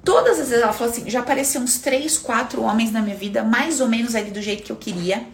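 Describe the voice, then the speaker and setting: A woman hosting a casual self-help live talk, animated and acting out inner voices, swearing casually. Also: fairly high pitch, fast, slight background noise.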